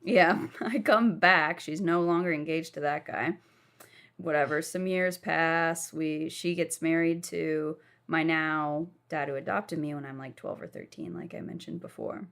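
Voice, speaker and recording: A woman's voice: low voice, fairly even intonation, unhurried, gravelly, a bit bright. A young woman from the southern United States, telling her life story frankly while lying down as a podcast guest.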